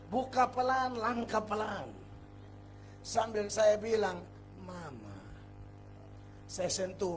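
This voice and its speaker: A male pastor preaching a revival sermon, telling a personal story with hushed asides and sudden shouts. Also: very high-pitched. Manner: animated storytelling, acts out scenes, shifts between hushed and shouting. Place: large revival meeting.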